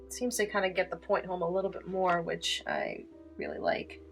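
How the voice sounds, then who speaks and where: A woman's voice: on the low side, huge pitch swings, moderate pace, gravelly. Chatty woman with faint music behind. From Canada. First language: Italian. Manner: chatty, heavy filler words, giggly asides. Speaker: painting tutorial host. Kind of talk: casual painting tutorial chat.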